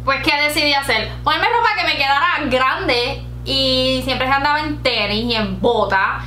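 A Puerto Rican beauty vlogger in her late twenties chats giggly to camera in a Spanish accent, dropping in English words, from a bright home room with shelves. Her high voice moves at normal speed, pushed and bright, recorded from desk distance with reverb and a little hiss or hum.

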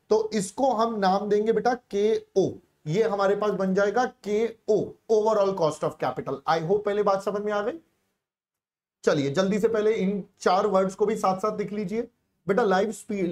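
A man's voice: high voice, a little mellow. A man teaching a live online class, coaxing students, repeating phrases and mixing in English.

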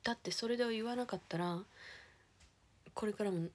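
A young woman, chatting casually as a streamer, ranting with animated indignation and dropping into whispered asides. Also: medium pitch, fairly quick, a little hiss or hum. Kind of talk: casual chat.

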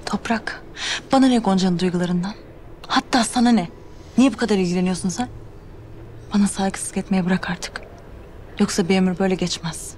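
An actress playing a sugary, mocking rival. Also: female voice, medium pitch, fairly even intonation, fairly quick, pauses often, a little mellow, slight background noise, lightly acted. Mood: defensive. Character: sly, condescending young woman rival. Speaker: scheming rival in love. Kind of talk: television drama acting. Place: hotel meeting hall. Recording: scene music underneath.

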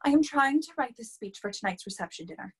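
A woman's voice: fairly high pitch, lively intonation, fast talker, husky, heavily acted. A young woman playing a flustered, theatrical opera performer in a staged reading. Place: plain room, video call.

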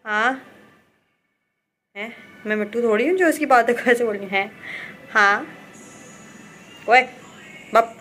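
A woman's voice: a little high, slow, long pauses, fairly bright tone, soft background music. A young woman vlogging at home in a chatty, playful way, talking to her pets and family. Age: young adult. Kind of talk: casual home vlog. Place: at home, indoors and on the rooftop. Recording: noisy home phone recording.

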